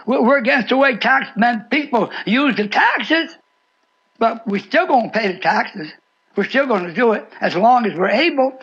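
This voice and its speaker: Man in his eighties, extremely high pitch, raspy, dull shortwave recording, storytelling sermon, emphatic repetition. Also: a bit bright. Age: 80s. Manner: theatrical, acts out dialogue, repeats phrases for emphasis. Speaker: preacher. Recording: dull lo-fi shortwave radio sound.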